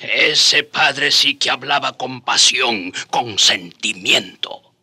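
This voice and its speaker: A man's voice: medium pitch, takes it slowly, vocal fry, pushed and bright, breathy edge, faint music behind, heavily acted. An actor playing an indigenous man, once a slave, who narrates his memories as a storyteller in a radio drama. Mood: admiring. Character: indigenous man, former slave, fondly recalling his travels.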